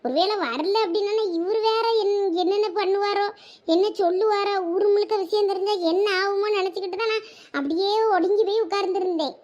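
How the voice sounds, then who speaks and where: Casting: woman as anxious, nagging village mum for a cartoon, Thoothukudi Tamil accent, piercingly high, quick delivery. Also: darkish tone, lo-fi sound. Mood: anxious, complaining. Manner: scolding, complaining, repetitive. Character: exasperated, anxious village mother fretting over her children. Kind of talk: cartoon village drama dialogue.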